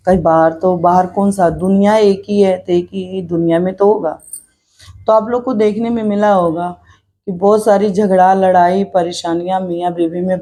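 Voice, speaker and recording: A woman's voice: on the low side, warm tone. A middle-aged woman talking earnestly to her viewers in a personal vlog, reflective and repeating herself as she speaks her mind. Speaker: vlogger. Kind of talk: personal vlog talk to camera.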